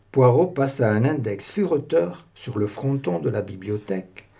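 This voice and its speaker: A man narrating a detective audiobook in a measured storytelling manner. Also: medium pitch, mellow, husky.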